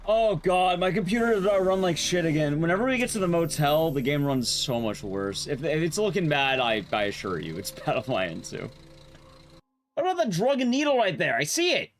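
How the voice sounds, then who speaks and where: A man's voice: fairly high pitch, sing-song, brisk, slight background noise. A man giving casual, hesitant and apologetic commentary while playing a game. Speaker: game streamer.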